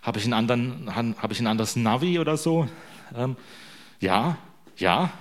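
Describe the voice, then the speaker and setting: A man's voice: medium pitch, normal speed. A man giving an informal sermon to his congregation. He is a father of young children who talks in a loose, joking way and keeps tagging his sentences with little questions to the listeners. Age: young adult to middle-aged, a father. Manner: chatty, joking, constant tag questions. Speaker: preacher.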